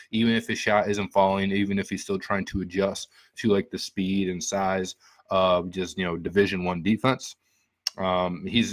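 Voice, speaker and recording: A man's voice: low-pitched, a bit bright, no room sound. An American man in his twenties giving casual, rambling sports commentary as a show host, close to a desktop mic at home. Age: 20s. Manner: rambling, conversational. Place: small room at home. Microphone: desktop microphone up close.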